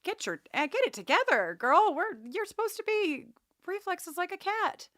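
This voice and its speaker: A woman's voice: very high-pitched, normal speed, dry recording, studio quality. A woman co-hosting a podcast, chatting casually through a TV episode recap and acting out reactions. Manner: animated, acts out reactions. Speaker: podcast co-host.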